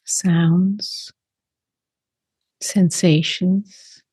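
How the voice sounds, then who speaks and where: Woman, meditation teacher, mellow tone, gentle breathy delivery, dry close sound, unhurried short phrases, long pauses. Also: on the low side, steady tone, no room sound. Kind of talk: slow guided meditation.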